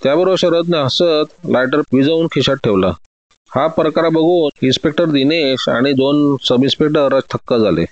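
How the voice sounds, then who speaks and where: A man reading a detective story aloud in a steady, dramatic storytelling manner. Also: a little high, moderate pace, dry recording, dull audio. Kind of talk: scripted story narration.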